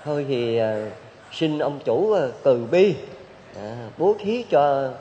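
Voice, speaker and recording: A man's voice: on the high side, big pitch swings, slow pace, dark tone, a little hiss or hum. A man voicing a loyal city man who begs a rich master on his friend's behalf. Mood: earnest. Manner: earnest, beseeching. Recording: dull hall recording with long reverb.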